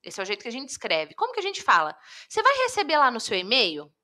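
A woman coach teaching public speaking in a live online lesson, lively and talking straight to viewers. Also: on the high side, fast. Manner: lively, addresses viewers directly.

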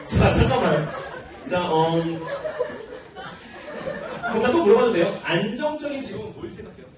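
Guy in his 40s teaching, kinda high lively voice, jokey, roomy distant classroom sound. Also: normal speed, a crowd in the background, noisy background. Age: early forties. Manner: playful, joking, earnest, often laughing. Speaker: history teacher at a cram school. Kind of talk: informal question-and-answer with students. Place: large classroom with students. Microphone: handheld microphone, filmed by tripod camera at back.

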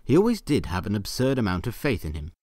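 A man's voice: fairly low pitch, wildly swooping pitch, quick pace, a little mellow, dry recording, clean studio sound. A man narrating a scripted story in a theatrical, wry manner with ornate phrasing.

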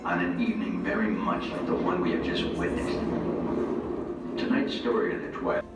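A man acts as a suave, eerie narrator of a haunted theme-park ride, low and portentous. His measured, scripted lines boom from distant, heavily echoing speakers over loud music. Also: fairly even intonation, natural voice. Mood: ominous.

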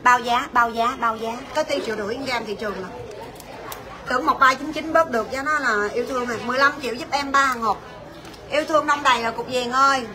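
A woman selling jewelry on a livestream, calling out prices in rapid, coaxing sales patter. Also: fairly high pitch, crowd noise. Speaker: jewelry shop livestream seller.

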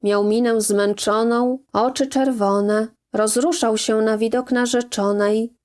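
Woman narrator for an audiobook, unhurried and measured, voice sitting a little high. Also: fairly even intonation, a little mellow. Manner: slow, measured reading. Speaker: audiobook reader.

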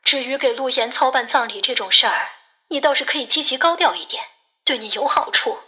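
A woman acts out a cautious, shrewd woman in audiobook dialogue. Her voice is high and bright, and she questions and advises in a controlled way. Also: lively intonation, brisk. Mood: cautious advising.

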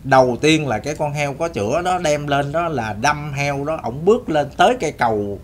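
Speaking casually to an audience, this male host tells a story in a meandering, homespun style, often circling back and starting phrases over. He has a Southern Vietnamese accent and a fairly high pitch with lively intonation at a moderate pace, and there's slight background noise.

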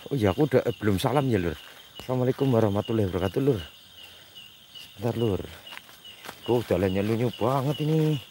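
A man's voice: on the low side, animated, fast talker, pauses often, dark tone, slight background noise. Nervous man muttering prayers outdoors. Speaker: ghost-hunting vlogger. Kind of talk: casual night exploration vlog. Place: outdoors at night in rough terrain.

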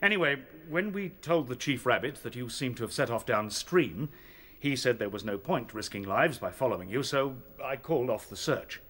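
A man playing a battle-worn rabbit captain in a radio drama, halting as he recounts horrors. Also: medium pitch, lively intonation, a bit bright. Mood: grave. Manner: halting, searching for words.

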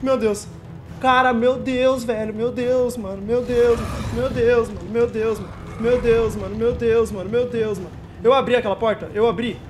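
A man's voice: extremely high pitch, fairly even intonation, moderate pace, background noise. A young man streaming a horror game, panicking, repeating himself and shrieking when scared, shaky and sweating. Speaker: gamer streamer. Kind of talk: horror game let's play commentary.

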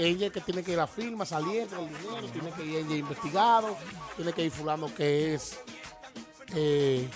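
Animated Dominican man co-hosting a talk show. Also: a little high. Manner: animated, gesturing, emphatic rhetorical questions. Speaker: radio show co-host. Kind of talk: casual panel commentary. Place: TV-radio studio. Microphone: studio microphone on desk stand.

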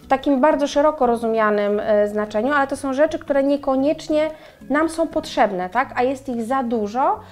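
Brief: middle-aged woman, co-host, animated and chatty, talks to viewers, slightly high voice, lapel mic. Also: normal speed. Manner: animated, gesturing, addresses viewers directly. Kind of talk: casual chat. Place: bright room with flowers and windows.

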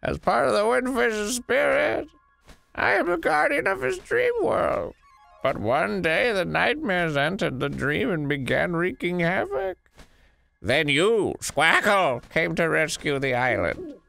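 A man's voice: high voice, big pitch swings, a little slow, creaky, bright, forceful tone, full character voice. A man voicing a wise old male owl guardian from a game, with a grand, proclaiming delivery. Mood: solemn.

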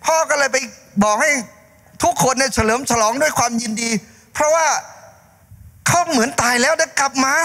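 A man in his fifties preaching a sermon on a church stage, holding a handheld mic, animated and gesturing. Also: very high-pitched. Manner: animated, gesturing preacher acting out story voices. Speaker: pastor. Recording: long hall reverb.

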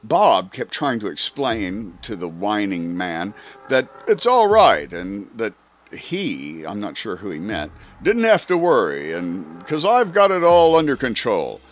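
A man's voice: lowish voice, wildly swooping pitch, a little slow. A man reading a spy story audiobook in a theatrical, emphatic first-person narration. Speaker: audiobook reader.

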